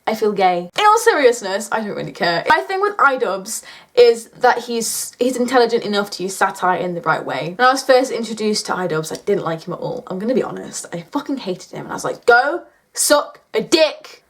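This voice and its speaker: A British woman in her late teens chatting casually in a question-and-answer vlog, with a blunt, sweary, joking manner. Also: medium pitch. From United Kingdom. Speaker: YouTuber answering viewer questions.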